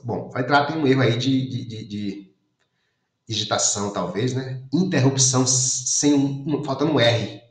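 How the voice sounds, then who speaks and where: A man from Brazil leads a commented exam walkthrough, reading options aloud and crossing out the wrong ones in a methodical way. His voice sits at an ordinary male pitch. The room gives it a noticeable echo. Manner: methodical, reads options aloud and rules them out. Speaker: exam prep teacher. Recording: roomy echo.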